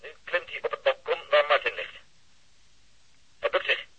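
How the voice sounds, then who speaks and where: An actor playing an alert police lookout reporting urgently through a walkie-talkie filter in a radio drama, with a rough voice. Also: male voice, on the high side, moderate pace. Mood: tense. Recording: dull, crackly walkie-talkie sound.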